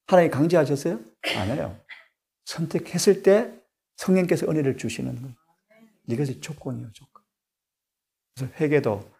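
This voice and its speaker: A man preaching a sermon, emphatic and full of rhetorical questions to the congregation, swinging between loud stressed lines and hushed asides. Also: mid-range voice. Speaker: pastor and Bible study director.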